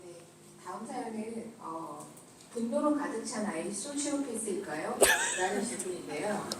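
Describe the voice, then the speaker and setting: A woman hosting a live talk event, reading a listener's letter aloud in an even, measured way. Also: mid-range voice, far from the mic. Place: large indoor event hall. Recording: echoey hall, voice from afar with noise.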